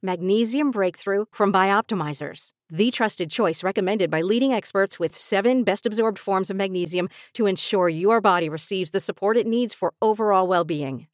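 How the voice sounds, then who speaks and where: A woman's voice: medium pitch, normal speed, hardly any pauses, no room sound, studio quality. Woman reading a persuasive ad. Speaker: ad reader. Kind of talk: scripted advertisement read.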